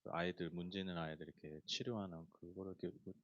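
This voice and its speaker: A man delivers a sermon in a relaxed, storytelling manner, filling his sentences with small hesitations and turning often to address his listeners. His voice sits on the low side. The recording sounds dull and lo-fi. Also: fast. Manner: conversational storytelling, many fillers, addresses the congregation. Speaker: pastor.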